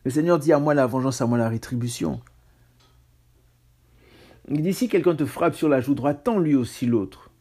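A man's voice: medium pitch, normal speed, pauses often, dark tone, husky. A man preaching a casual sermon on scripture, talking conversationally with self-mocking asides and stammered restarts.

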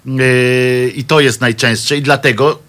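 Bright-voiced man with rambling, sarcastic commentary. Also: medium pitch, fairly even intonation, slow pace. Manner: rambling and sarcastic, full of hesitations and restarts; mocking the press and clergy with dry jokes. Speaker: commentator, regular on a weekly satire show. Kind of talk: casual satirical commentary.

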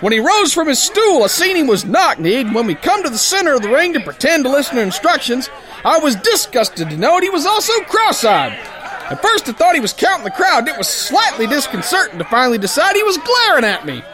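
A man's voice: extremely high pitch, sing-song, brisk, a crowd in the background. An actor playing a brash, good-hearted young sailor boxer who spins his yarn in folksy tough-guy slang for a radio comedy. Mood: boastful yarning. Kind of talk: old-time radio comedy, first-person yarn spinning.

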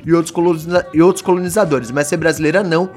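Blunt, animated Brazilian man. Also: on the high side, very fast, faint music behind. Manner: blunt, animated, rhetorical questions. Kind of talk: casual opinionated discussion.

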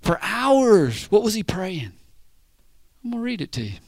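A man preaching a sermon in a conversational way, often asking the congregation if they understand, and slowing down to read scripture. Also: high-pitched, very animated, no echo. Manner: conversational, keeps checking in with the congregation; reads scripture slowly and deliberately.

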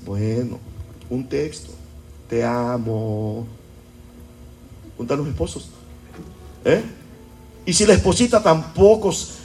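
High-voiced preaching man. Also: a little mellow. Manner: preachy, keeps asking the congregation rhetorical questions. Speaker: pastor. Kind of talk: sermon. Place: church service.

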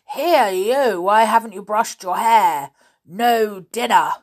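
A woman's voice: on the high side, sing-song, slow, voice pushed up. A woman voicing a stern, bossy male schoolmaster who roars his orders. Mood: roaring. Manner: shouting, barking orders.

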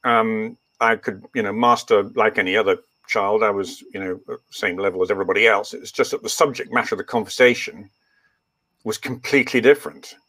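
Speaking English with Swahili as his mother tongue, this older veterinarian who grew up in East Africa rambles through his story as an interview guest, full of ums and false starts. The storytelling is relaxed; his voice sits fairly low, runs a little fast and sounds pushed and bright in a dry recording.

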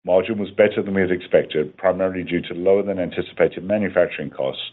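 Deep-voiced man on a tinny phone line. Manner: formal, measured reading of figures. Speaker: company finance executive presenter. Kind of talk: scripted earnings call presentation.

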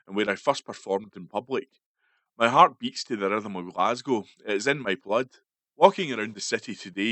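Man, low voice, steady read-aloud news feature, dry close sound. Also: no echo. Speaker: newspaper article reader.

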